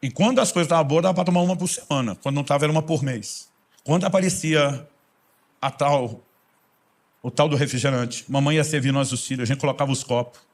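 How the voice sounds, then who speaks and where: A man's voice: fairly high pitch, quick pace. A man with a Brazilian Portuguese accent, preaching a sermon as a pastor and telling stories fervently.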